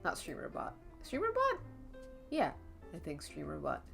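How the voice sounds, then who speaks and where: Drawing on stream, a young woman rambles casually to her chat, laughing often, her nose stuffy and congested. She speaks at a normal speed in a low-sitting voice with vocal fry, while faint calming jazz plays behind her.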